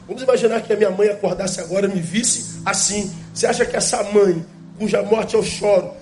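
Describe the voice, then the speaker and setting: High-voiced Carioca pastor preaching emphatically. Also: male voice, darkish tone. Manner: emphatic, rhetorical questions, repeats key phrases slowly. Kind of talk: sermon.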